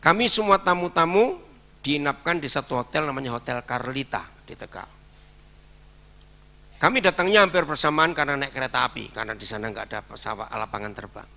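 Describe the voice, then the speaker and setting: A man's voice: medium pitch, vocal fry, sharp tone. A man preaching a sermon with an Indonesian accent, telling a story and acting out the dialogue in it.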